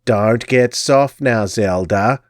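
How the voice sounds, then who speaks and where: A man's voice: on the low side, takes it slowly, no room sound, clean studio sound. A man voicing a stooped old gypsy crone who cackles and croons menacingly. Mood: crooning.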